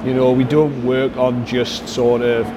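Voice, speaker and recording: A man's voice: mid-range voice, flat delivery, a little slow, noisy background. A man speaking as a performance coach in an interview, explaining things conversationally and circling back with frequent "you know".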